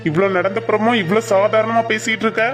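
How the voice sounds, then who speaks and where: Guy doing a grumpy stubborn husband, short answers, soft music behind. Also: high-pitched, steady tone, fast, close to an everyday voice. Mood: gruff. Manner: gruff, curt. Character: middle-aged husband and father, gruff and stubborn.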